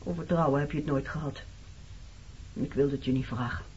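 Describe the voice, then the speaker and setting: A woman's voice: deep voice, steady tone, fairly quick, a little mellow, a little hiss or hum, natural voice. An actress playing a hurt, resentful woman accusing her former lover in a Dutch radio play. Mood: bitter, subdued. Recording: muffled old radio recording.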